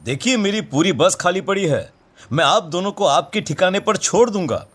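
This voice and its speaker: A woman voicing a grinning, paan-chewing male bus conductor who talks in a smooth, coaxing, overly polite way, set back from the mic. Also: fairly low pitch, lively intonation, normal speed.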